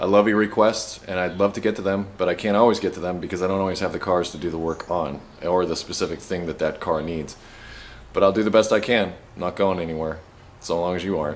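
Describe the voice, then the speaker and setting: Speaking very fast, a man with a very deep, low pitch keeps his intonation fairly even. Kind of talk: tutorial. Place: garage. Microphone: phone near.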